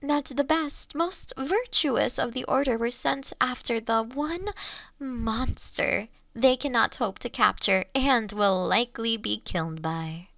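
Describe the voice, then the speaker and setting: Woman acting as bright, unhurried, taunting ancient monster lady. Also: high-pitched, no echo, heavily acted. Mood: sardonic. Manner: teasing, archaic formal diction, lingering pauses, breathy asides. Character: ancient female monster, elegant, taunting, playful towards her hunter. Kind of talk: slow theatrical roleplay monologue in Victorian fantasy audio drama.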